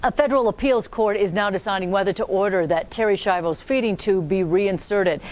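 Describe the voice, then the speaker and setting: A woman's voice: fairly quick, a little mellow. An American woman anchoring a local newscast in a polished, formal, scripted newsreader delivery. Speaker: TV news anchor. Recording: clear background noise with low rumble.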